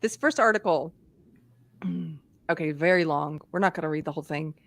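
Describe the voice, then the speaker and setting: A woman's voice: deep voice, normal speed. A woman hosting a live show, chatting casually and reading an article aloud, laughing often. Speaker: podcast host.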